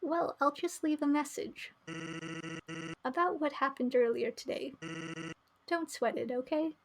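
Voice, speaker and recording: A woman's voice: sits high, a little slow, a little hiss or hum, poor audio. A woman voicing a laid-back, teasing male skeleton from a video game, in a casual drawl. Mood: easygoing.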